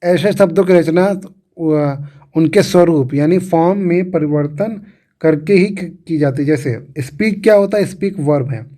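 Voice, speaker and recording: Male teacher, slightly high, mellow tone, patient, repeats points for students. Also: a little slow. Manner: repeats and restarts words, asks the class questions. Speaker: English teacher. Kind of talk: explaining grammar to students.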